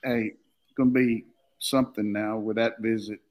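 A man's voice: fairly low pitch, flat delivery, moderate pace, a little mellow. An older man, a former coach, chatting casually about football in a rambling, folksy, joking way. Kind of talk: casual sports talk.

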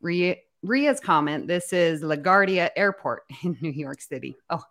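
A woman co-hosting a live podcast, reading listener comments aloud with a lively, easily amused manner. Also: fairly low pitch, a little slow. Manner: animated, reads comments aloud, laughs easily. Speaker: podcast co-host. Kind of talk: casual live podcast chat.

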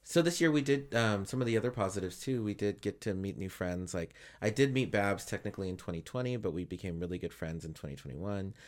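A man's voice: sits low, animated, quick pace, hardly any pauses. A man in his thirties co-hosting a podcast, chatting casually and rambling a little, with easy laughs. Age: 30s. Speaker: podcast co-host. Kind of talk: casual chat.

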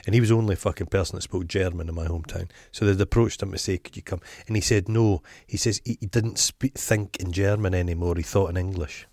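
A man's voice: low-pitched, fairly even intonation, quick pace, few pauses, a little mellow, dry recording, studio quality. A Scottish man hosting a podcast, chatting casually in a blunt, opinionated way and swearing freely. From Scotland. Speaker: podcast host. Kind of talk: casual chat.

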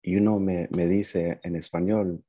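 A young man from Nicaragua, raised partly in the United States, talking casually as a podcast guest and often pausing to find his words. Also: low-pitched, little pitch movement, dark tone. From Nicaragua, moved to the United States at seven. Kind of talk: casual conversational storytelling.

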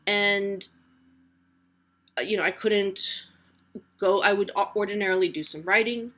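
A woman's voice: medium pitch, a little slow, sharp tone. Chatty woman in her forties. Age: 40s. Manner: chatty, rambling, self-deprecating. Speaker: podcast host. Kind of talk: casual solo podcast monologue. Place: home.

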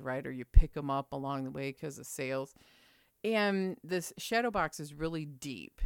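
A woman's voice: low-pitched, creaky, clean tone, no echo, clean studio sound. A middle-aged woman vlogging in a chatty, rambling way with fillers. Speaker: quilting vlogger. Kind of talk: casual chat.

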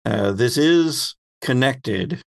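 This man hosts and acts as game master, narrating an improvised story with a chatty feel and occasional pauses to find words. His voice is medium-pitched and gravelly, with lively intonation.

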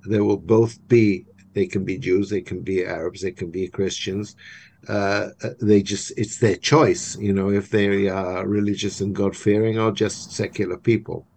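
A man's voice: lowish voice, fairly even intonation, moderate pace, gravelly, a little mellow, a little hiss or hum. An older man working in theatre, answering interview questions thoughtfully and often restarting and repeating words. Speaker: guest, theatre maker and lecturer.

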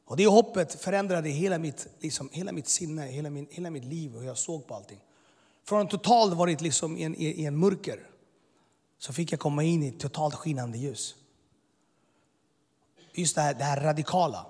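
Husky man telling his story in a hall. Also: a little high, darkish tone. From immigrated to Sweden as a boy. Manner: earnest, intense storytelling with filler words. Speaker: speaker giving his testimony. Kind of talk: personal testimony talk. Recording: long hall reverb.

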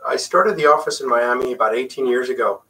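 Speaking fast in a medium-pitched voice, a middle-aged man from Puerto Rico, a native Spanish speaker and facial plastic surgeon, chats as a guest in a casual interview. He's relaxed and chatty, using frequent fillers. He's recorded from a distance, and the audio is rough.

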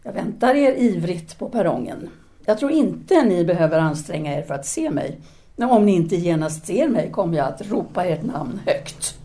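An actress playing a self-possessed intellectual woman in an audio drama, formal and measured yet intimate and seductive. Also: lowish voice, sing-song, dark tone. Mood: ardent longing. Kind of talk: audio drama letter monologue and dialogue.

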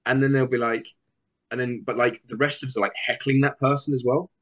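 A man's voice: mid-range voice, fairly even intonation, brisk, fairly bright tone. A man guest chatting casually on a podcast, rambling and acting out what people say to him. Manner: rambling, acts out quoted dialogue. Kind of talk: casual chat. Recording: dull, lo-fi sound.

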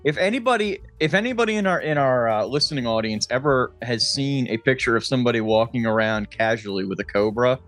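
A man's voice: medium pitch, fast talker, few pauses, a bit bright, soft background music. A man co-hosting a podcast, chatting casually with crude, joking humor. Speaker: podcast co-host. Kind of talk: casual comedic chat.

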